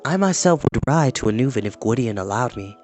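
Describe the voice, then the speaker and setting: A man voicing an earnest, troubled young man in a storybook, sober, reflective and measured. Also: medium pitch, animated, a little mellow, faint music behind, close to an everyday voice. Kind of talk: storybook character voice.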